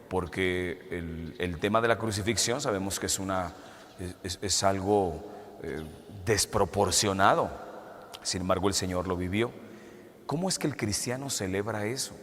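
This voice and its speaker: A man, a Catholic priest, reading the gospel and preaching a homily in a church, his voice carrying a cathedral echo. He speaks in a measured way and poses rhetorical questions. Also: lowish voice, fairly bright tone. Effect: cathedral echo, long church reverb. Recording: long church reverb, faint hiss.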